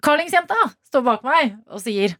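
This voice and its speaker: A woman hosting morning radio, chatty and animated as she tells a story. Her voice sits a little high. The studio sound is dry and close. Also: no echo. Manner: chatty storyteller, lively anecdotes. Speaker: radio morning show host. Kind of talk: casual radio chat.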